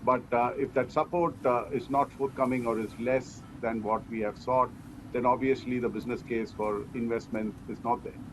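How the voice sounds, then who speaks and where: A man giving measured, explanatory answers as a company executive in an interview. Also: medium pitch, fairly even intonation. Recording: clearly noisy background.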